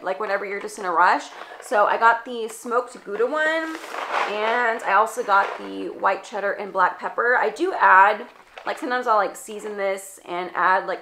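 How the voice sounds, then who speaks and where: A woman's voice: mid-range voice, sharp tone. A woman in her twenties, stuffed up and slightly congested, chatting casually through a product haul with lots of "like" fillers, filmed close in a small room. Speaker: beauty vlogger. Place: small indoor room with shelves.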